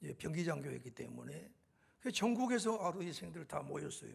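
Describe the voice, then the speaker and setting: An older man preaching a sermon in a church, telling stories and rising to loud, emphatic climaxes. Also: on the high side, sing-song, brisk, vocal fry, breathy edge. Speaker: guest preacher, university president. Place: church sanctuary.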